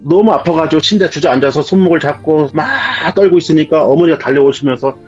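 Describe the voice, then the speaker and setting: A man with a husky voice, telling a true ghost story in a vivid, dramatic way as a guest in casual spoken storytelling. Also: on the high side, fast talker, a little mellow. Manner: vivid, dramatic retelling of events. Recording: dull lo-fi sound with faint music.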